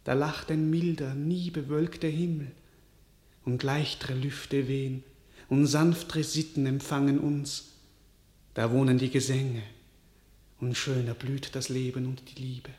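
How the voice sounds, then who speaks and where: Slow, solemn, despondent king played by a man. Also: medium pitch, flat delivery, darkish tone, echoey room, close to an everyday voice. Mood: tender, wistful. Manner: solemn, declamatory, measured. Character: despondent, world-weary king giving up his crown. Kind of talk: classical verse radio drama acting.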